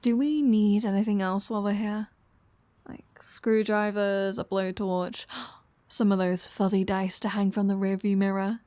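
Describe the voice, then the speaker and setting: Slow-talking, teasing vampire woman, acted by a woman. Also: mid-range voice, little pitch movement, dark tone, dry recording, lightly acted. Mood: teasing, casual. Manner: teasing, sardonic, foul-mouthed. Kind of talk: intimate roleplay audio drama.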